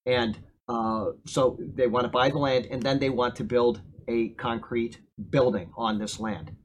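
A man's voice: mid-range voice, steady tone, a little slow, slight background noise, rough recording. A man, preaching a casual sermon and often checking in with his listeners. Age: 50s. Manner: conversational, keeps asking "okay?". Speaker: pastor.

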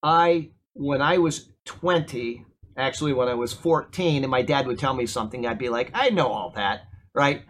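A man's voice: medium pitch, normal speed, a bit bright, a little hiss or hum. A man, preaching a casual sermon and often checking in with his listeners. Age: 50s. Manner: conversational, keeps asking "okay?". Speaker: pastor.

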